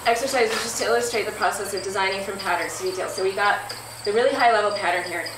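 A woman's voice: mid-range voice, very fast. A woman in her thirties teaching a workshop at a flip chart, asking the group questions as she goes. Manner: friendly, asks the group questions. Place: outdoor pavilion, standing at a flip chart. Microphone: far camera. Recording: roomy, distant camera audio with noise. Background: insects and crickets.

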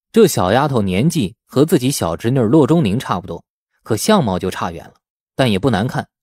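A man narrates a novel in a dramatic, storytelling style. His medium-pitched voice moves up and down freely. The recording is close, with no room sound. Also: no echo. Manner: expressive storytelling. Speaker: audiobook narrator.

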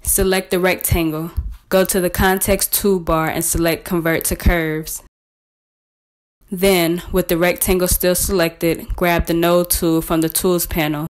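A woman presenting a scripted step-by-step software tutorial in a measured, instructional way. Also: on the low side, level tone.

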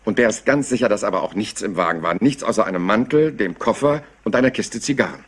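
A low-voiced, rumpled homicide inspector. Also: male voice, animated, quick pace, slightly rough. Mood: thoughtful, stubborn. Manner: hesitant, folksy, digressive. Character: rumpled male homicide inspector, apologetic yet stubbornly probing. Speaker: actor dubbing a police inspector. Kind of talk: German crime drama dub, conversational acting.

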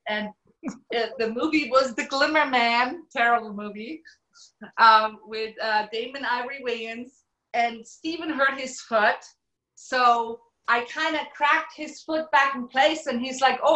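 A woman's voice: a little high, bright, forceful tone. A middle-aged woman from Switzerland, a guest telling her story plainly on a casual video call from home. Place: home room. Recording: echoey room on a video call.

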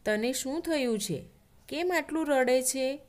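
A woman's voice: high voice, unhurried. A woman voicing a kindly uncle bear. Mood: concerned. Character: kindly grown male bear, helpful uncle.

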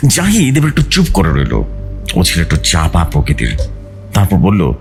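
A man's voice: sits low, wildly swooping pitch, moderate pace, gravelly. A man reading a scripted horror story aloud in a suspenseful, theatrical way. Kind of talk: dramatic scripted horror narration, read aloud. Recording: music bed behind the voice.

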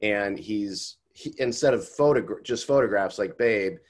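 A man's voice: lowish voice, a little slow. A man in his fifties co-hosting a casual discussion over a video call, reflective and musing, often restarting his sentences. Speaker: co-host. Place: home room, indoors. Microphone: webcam on a video call.

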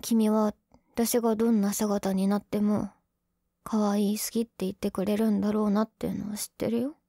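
A woman's voice: medium pitch, level tone, brisk, mellow, no echo, clean studio sound, natural voice. A woman playing a young tsundere girlfriend in an ASMR role-play, huffy and sulky but affectionate underneath. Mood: softening, affectionate.

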